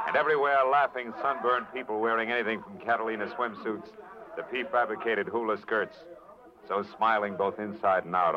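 An actor playing a wry, tough-talking American private detective, narrating and acting in an old radio noir drama. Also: male voice, fairly low pitch, close to an everyday voice. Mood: relaxed, wry. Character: hard-boiled, wry male private detective, impatient and sardonic. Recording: muffled old radio recording, loud music behind.

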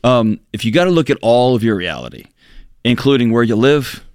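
A man's voice: expressive, a little fast, darkish tone, clean tone, dry recording, clean studio sound. A man in his forties co-hosting a talk show, speaking in an earnest, reflective way with emphatic outbursts. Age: 40s. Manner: earnest, reflective, emphatic with sudden jumps in pitch. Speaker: co-host. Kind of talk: casual podcast discussion.

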